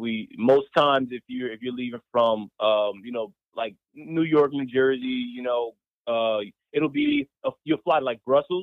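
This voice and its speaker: A man talks at a fairly slow pace in an unremarkable speaking voice with a medium pitch. His pitch variation is ordinary, and his loudness swings widely. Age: 20s. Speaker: creative producer. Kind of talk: casual interview. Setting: phone call.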